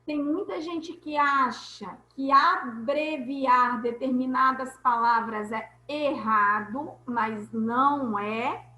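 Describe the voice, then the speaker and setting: A woman's voice: high voice, slow pace, hardly any pauses, sharp tone, reverberant, highs cut off. A woman teacher giving an online class, explaining step by step and checking in with her students.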